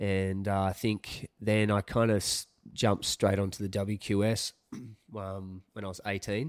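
A man's fairly low, monotone voice with flat intonation and an Australian accent, at a fairly slow pace, on a very clean recording with a silent background and a dry, close sound with no echo. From Australia, Sydney northern beaches and Sunshine Coast. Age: 40s. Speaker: professional surfer. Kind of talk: casual chat. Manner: halting.

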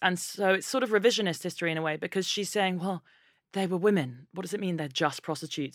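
A woman with a London accent talks at a very fast pace in a fairly low pitch. The recording is very clean, with a silent background. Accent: southern English (London). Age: 30s. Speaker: novelist and journalist. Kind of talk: casual chat.

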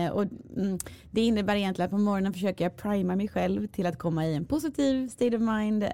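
Pitch movement is ordinary in this woman's speech. She sits at a medium pitch. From Gothenburg, Sweden, then raised in USA. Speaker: social impact company strategist. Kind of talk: interview. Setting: hotel room.

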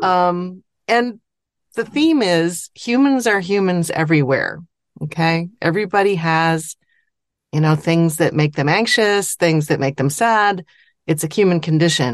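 A woman in a normal speaking voice with an American accent, fairly low-pitched, with lively intonation, very even loudness and a fairly slow pace, over a quiet background. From Maine, US. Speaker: therapist and voice actor. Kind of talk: casual interview chat.

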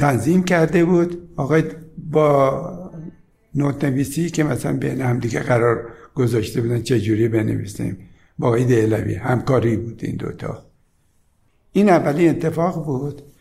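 A man's medium-pitched, somewhat breathy voice with a dark, mellow tone, ordinary pitch variation, a moderate pace, and audible room echo. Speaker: composer. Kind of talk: interview, reminiscing.

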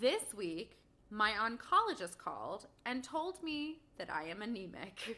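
A woman talks at a fairly slow pace in a bright, sharp tone. Her pitch swings very widely. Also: big swings in loudness. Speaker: podcast co-host. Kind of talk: casual chat.

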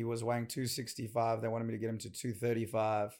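A man with a South African accent speaks at a medium pitch in a very clean recording with a silent background. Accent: English-speaking South African. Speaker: fitness entrepreneur and trainer. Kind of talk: casual interview. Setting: at home.

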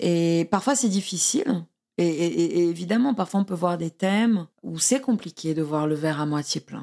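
A woman with a Portuguese accent speaks at a moderate pace. Her fairly low voice has a dark, mellow tone and lively intonation. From Brazil (Rio). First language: Portuguese (speaking French). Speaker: astrologer. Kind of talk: interview.

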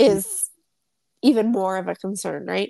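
A woman at a fairly slow pace, the sound dry and close with no echo. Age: 20s. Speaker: podcast host and social worker. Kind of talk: interview.

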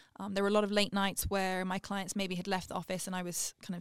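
A woman speaks with a southern English accent. The recording is very clean, with a silent background. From southern England. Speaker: health and fitness coach, former consultant. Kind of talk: interview conversation.

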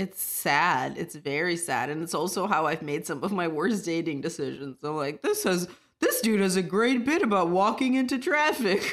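With hardly any pauses, a woman talks at a moderate pace in an animated tone, her fairly low pitch swinging very widely. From Ukraine. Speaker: podcast co-host recapping reality TV. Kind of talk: casual comedic chat. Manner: animated, laughs often.

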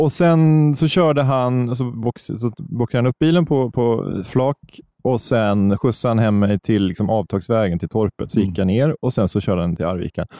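In a dry, close sound with no echo, a man with a dark, mellow tone speaks at a moderate pace with lively intonation. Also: medium pitch for a man, hardly any pauses. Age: middle-aged. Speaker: comedian and podcast co-host. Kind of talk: casual chat.

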